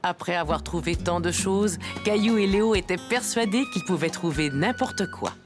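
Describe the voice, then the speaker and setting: A woman narrating a children's cartoon story in a gentle, expressive and clearly articulated storybook style. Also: on the low side, normal speed, close to an everyday voice. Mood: cheerful. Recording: music playing behind the voice.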